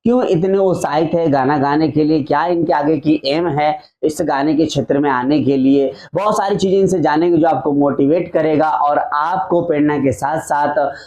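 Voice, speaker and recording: Male podcast host, friendly and slightly halting, voice a bit high. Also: darkish tone, dull audio. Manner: friendly, hesitant with fillers when asking questions. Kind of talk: casual podcast interview.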